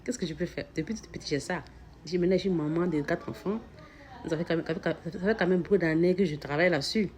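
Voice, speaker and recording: Lower-voiced woman with a stutter. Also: quick pace, darkish tone. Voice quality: stutters, repeats words and restarts phrases. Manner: earnest, reflective, addresses the listener directly. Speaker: mother sharing personal reflections. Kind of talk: casual spiritual self-help talk.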